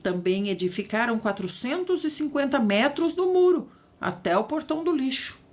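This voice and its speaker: A Brazilian woman in middle age teaches scripture in a relaxed, conversational way. Her voice sits a little high, and she keeps her listeners close with frequent little check-ins as she retells the story. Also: moderate pace. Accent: Brazilian Portuguese. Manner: chatty storytelling, tag questions, lively retelling. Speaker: Bible teacher. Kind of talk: informal Bible study teaching.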